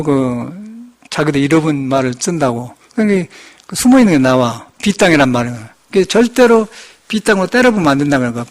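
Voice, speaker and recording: Older male monk, slight Jeolla accent, fairly high voice, folksy storytelling sermon. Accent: slight Jeolla Korean. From Jeolla region, Korea. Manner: folksy storytelling, chuckles, acts out quoted speech. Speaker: Buddhist monk giving a dharma talk.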